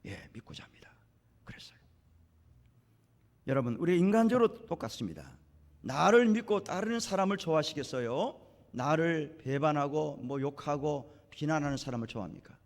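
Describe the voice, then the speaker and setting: A man preaches a Sunday sermon in a church sanctuary, his voice riding high and swooping up and down with lively emphasis. The words carry a long reverb through the hall. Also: moderate pace. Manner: animated preaching, acting out biblical dialogue with rising emphasis. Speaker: pastor.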